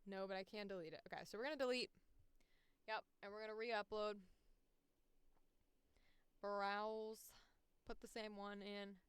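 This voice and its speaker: A woman's voice: medium pitch, steady tone, unhurried, pauses often, clean tone, no echo. A woman hosting a casual livestream tutorial, chatting informally, thinking aloud and swearing freely as she talks through each step. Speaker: livestream host and voice actor.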